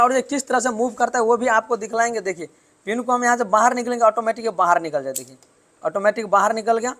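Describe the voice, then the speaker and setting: Mechanic explaining a repair. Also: male voice, extremely high pitch, fairly bright tone. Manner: explains step by step, keeps pointing things out. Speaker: motorbike mechanic. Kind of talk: workshop repair tutorial.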